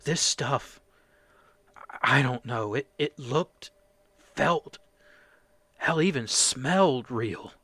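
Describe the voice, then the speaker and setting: A man acts out a shaken male corporal in a radio play. He speaks very slowly, in fragments, as if haunted by what he recounts. The voice is mid-pitched with a forceful, bright edge. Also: animated, slightly rough, no echo, full character voice. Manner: halting, haunted, fragmented delivery. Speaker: voice actor.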